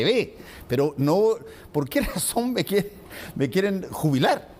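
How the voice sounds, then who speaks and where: A man with very wide pitch swings amid noticeable background noise. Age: 60s. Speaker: TV interviewer. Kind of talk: TV interview. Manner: halting.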